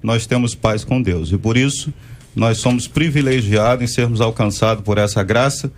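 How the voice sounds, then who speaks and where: A man's voice: mid-range voice, moderate pace, slight background noise. A Brazilian pastor speaking on a radio panel in a mid-range male voice. He affirms the discussion and leans on Bible verses, with frequent tags seeking agreement. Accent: Brazilian Portuguese. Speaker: pastor, debate guest.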